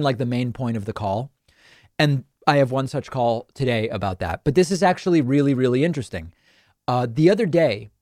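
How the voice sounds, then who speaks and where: A man's voice: mid-range voice, no echo, studio quality. A man hosting a political talk show with a southern western New England accent, talking in a chatty, digressive way with frequent restarts. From grew up in southern western New England. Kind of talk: casual monologue.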